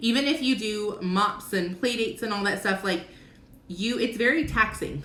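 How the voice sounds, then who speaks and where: A woman with medium pitch and lively intonation speaks amid audible room echo and noticeable background noise. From New Mexico. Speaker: homeschool coach and online content creator. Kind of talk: livestream talk to followers. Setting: live video stream. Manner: fast; chatty.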